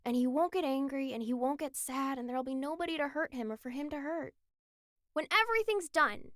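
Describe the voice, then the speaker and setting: A little childlike mage, gentle and devoted, speaks in a very high, bright voice. The phrasing is simple and hesitant, with an anxious, dreamy innocence. It is a dry audio drama recording. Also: female voice, brisk, no room sound. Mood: dreamy, hopeful. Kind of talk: fan fiction audio drama acting.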